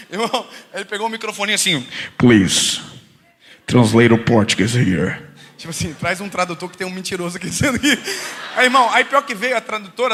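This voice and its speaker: Male preacher from Brazil, high, quick delivery, comic sermon style, animated and jokey, faint background noise. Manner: animated, jokey, laughs often, swings from loud to hushed.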